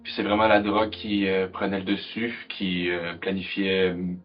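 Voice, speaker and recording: A man's voice: low voice, little pitch movement, moderate pace. A man in his twenties with a Quebec French accent, telling his story hesitantly with many fillers. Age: 20s. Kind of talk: testimony video. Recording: dull recording with soft music.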